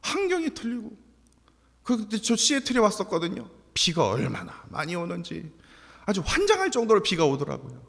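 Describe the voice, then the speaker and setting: A man's voice: sits high, wildly swooping pitch, a little fast, gravelly, fairly bright tone. A man in his forties preaching a confessional, emotional sermon to his congregation. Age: 40s. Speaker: pastor. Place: church sanctuary. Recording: long hall reverb.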